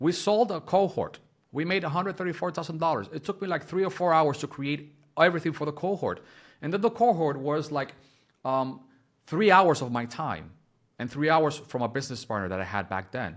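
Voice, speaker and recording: A man with a non-native accent and a fairly high voice talks with lively intonation and vocal fry. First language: not English. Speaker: online business coach. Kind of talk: tutorial. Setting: screen-share online course. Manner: casual, with filler words and self-corrections.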